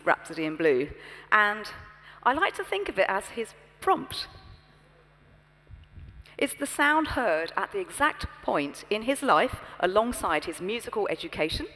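A young British woman giving a scripted keynote on a large conference stage, poised and expressive, through a headset mic. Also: medium pitch. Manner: poised, expressive, storytelling delivery. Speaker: keynote speaker. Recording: long reverb from a large hall.

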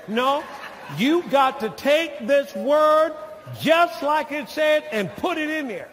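An older male pastor with an unusually high, bright and forceful voice preaches in a slow, deliberate cadence. He rises to shouted passages and calls his congregation to say amen. The sound rings with the long reverb of a large church sanctuary. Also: lively intonation. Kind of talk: sermon.

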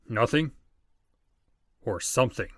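A man's voice: medium pitch, lively intonation, slow, no room sound, studio quality. A man playing a stern, impatient spirit of Christmas past, scornful and curt, in a fan audio drama.

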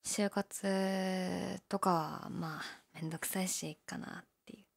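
A young woman playing a laid-back, shyly candid gyaru convenience-store clerk in an audio drama, with a breathy, hesitant, mumbled delivery. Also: steady tone, unhurried. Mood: low-key, candid. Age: young adult. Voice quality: low, breathy. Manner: listless, hesitant, mumbled casual polite speech. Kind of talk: male-oriented situation voice drama, casual chat.

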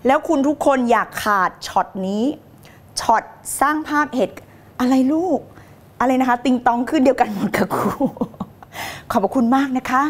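A woman's voice: high-pitched, normal speed. A middle-aged woman teaching on a live stream, reading viewer comments in a playful, theatrical way. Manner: playful and theatrical, laughing and putting on voices.

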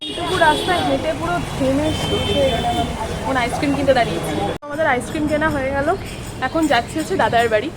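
A woman's voice: sits high, fast. Young woman chatting away in her daily vlog, mixing in english words, phone mic, noisy street behind her. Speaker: vlogger. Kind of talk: casual daily vlog chat. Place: home and busy streets. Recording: noisy street and room background.

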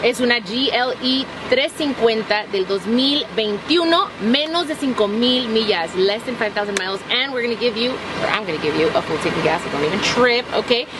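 A woman chats casually from the seat of a parked car and slides between Spanish and English as she talks. Her voice sits a little high. The phone picks her up from some distance, with loud street and traffic noise around her. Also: lively intonation, moderate pace, few pauses. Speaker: celebrity in a clip. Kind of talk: casual social media clip.

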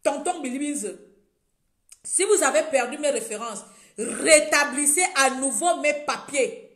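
A woman from Gabon speaks straight into a phone held at arm's length, her high voice bouncing around a small, echoey room. She rants with rising indignation, repeating words and pressing her points louder and louder. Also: expressive, unhurried. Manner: indignant, repeats herself, grows louder and emphatic. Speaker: vlogger. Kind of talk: impassioned direct-to-camera rant. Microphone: phone camera at arm's length.

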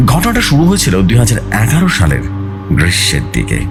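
Man, low voice, sweeping intonation, suspenseful horror narration, prominent music underneath. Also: wildly swooping pitch, brisk. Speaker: horror storyteller. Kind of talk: dramatic scripted horror narration, read aloud. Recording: music bed behind the voice.

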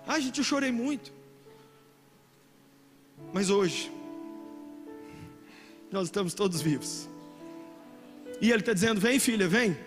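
A middle-aged man with a Brazilian accent, preaching a dramatic, emotional sermon to a youth congregation, swinging from soft asides to shouting. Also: sits high, animated, slow, pauses often. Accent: Brazilian Portuguese. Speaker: pastor. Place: large church hall with a youth congregation. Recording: long hall reverb with music behind.

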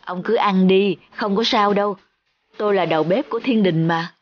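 A woman's voice: medium pitch, moderate pace, highs cut off, slight background noise, lightly acted. A woman voicing a kindly but stubborn female cook in a folktale cartoon, with a breezy, homely, insistent manner.

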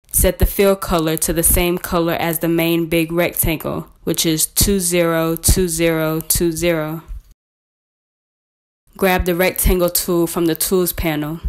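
A woman presenting a scripted step-by-step software tutorial in a measured, instructional way. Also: fairly low pitch.

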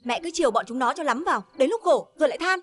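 A stern elder sister-in-law who lectures in a reproachful way. Her voice is high and her delivery fast. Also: expressive, a bit bright.

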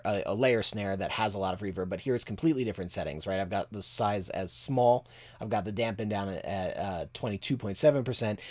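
Relaxed man explaining a mix. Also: mid-range voice. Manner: relaxed, thinking aloud with fillers. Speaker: mixing engineer and tutor. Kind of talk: casual screen-share tutorial. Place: home studio room.

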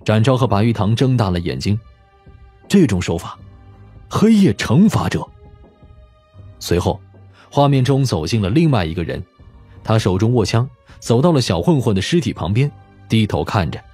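A man's voice: on the low side, big pitch swings, normal speed, long pauses, warm tone, breathy edge, soft background music. A man narrating a scripted audiobook story as its narrator.

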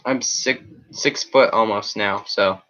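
Teenage boy, low bright voice, rambling live chat, headset mic, dull lo-fi sound. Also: fairly even intonation, slow. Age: teens. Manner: rambling, chatty, reacting to comments. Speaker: livestream host reading chat. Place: small room with green backdrop.

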